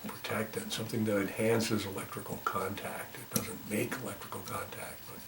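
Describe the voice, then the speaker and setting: A man giving a casual hands-on repair demonstration as a volunteer technician, talking haltingly and thinking aloud as he works. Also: on the low side, flat delivery. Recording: roomy, noisy, distant microphone.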